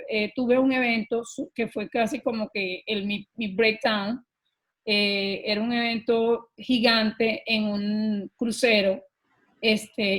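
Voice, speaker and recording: A middle-aged woman with a Colombian accent speaks in a slightly high voice. She tells her own story as a podcast guest, earnest and lively. She often pauses on small filler words before carrying on. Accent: Colombian Spanish. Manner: earnest and animated, often pausing with "eh" and "este". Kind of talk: personal storytelling in an interview.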